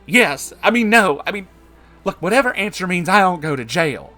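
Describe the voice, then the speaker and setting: High-pitched selfish woman, done by a male narrator, panicky, stammering, defiant, comic story reading, music behind. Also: expressive, moderate pace, bright, forceful tone. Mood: panicky denial. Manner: stammering, blustering.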